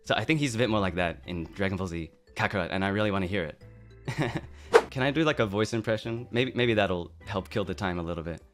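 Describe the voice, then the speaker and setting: A man's voice: on the low side, lively intonation, fairly quick, over music. A man streaming, chatting casually and playfully about his likes and interests, with fillers and asides. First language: English. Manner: playful, mock-tough opening, rambling asides. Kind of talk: casual live-stream chat.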